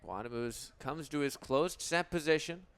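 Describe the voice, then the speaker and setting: A young American man does radio baseball commentary in a smooth, crisp voice pitched a bit high. He describes the action in short, clipped phrases as a play-by-play broadcaster. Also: normal speed. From United States. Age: 20s.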